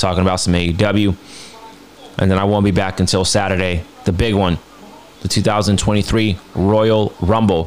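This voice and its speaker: A man at a fairly slow pace, monotone and flat, with long, frequent pauses and noticeable background noise. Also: fairly low pitch for a man. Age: 20s. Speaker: wrestling podcast host. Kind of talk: solo podcast commentary. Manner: casual, filler-heavy.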